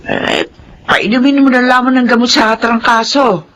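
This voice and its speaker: A man's voice: extremely high pitch, expressive, normal speed, fairly bright tone, heavily acted. An actor playing a fatherly older uncle who scolds his nephew but cares for him. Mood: scolding.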